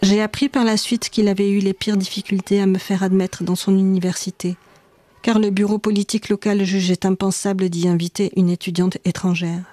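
A woman narrating her own memoir in a measured, reflective reading. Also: medium pitch, flat delivery, mellow, dry recording.

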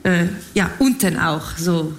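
A woman doing a teasing French clown lady. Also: lowish voice. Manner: teasing, drawn-out, coaxing. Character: playful mock-Parisian woman clown. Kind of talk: comedy stage sketch.

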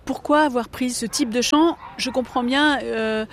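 Woman interviewer, somewhat high voice, halting, stops often with "euh" fillers. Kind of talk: interview questions.

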